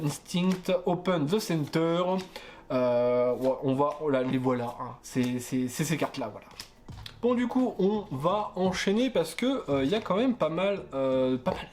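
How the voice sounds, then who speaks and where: A man's voice: fairly high pitch, a little mellow. A man casually chatting while opening trading card boosters, hesitant with many fillers and self-corrections, stumbling over English card names. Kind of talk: casual booster unboxing chat.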